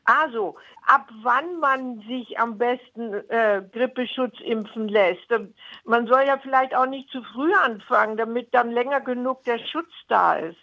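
Creaky elderly woman on the phone. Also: a little high, measured pace. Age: 80s. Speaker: phone-in caller. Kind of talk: hesitant conversational questions. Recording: dull lo-fi telephone line.

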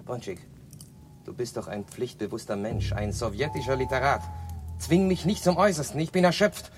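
An actor playing a stern, exhausted colony leader giving orders in a radio drama. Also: male voice, mid-range voice, moderate pace, faint music behind, close to an everyday voice. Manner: stern, commanding.

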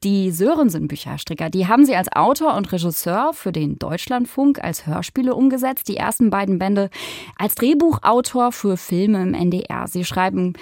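A woman hosting a radio interview show, announcing music and putting questions to a guest in a calm, measured way. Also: mid-range voice, dry recording, clean studio sound. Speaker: radio host.

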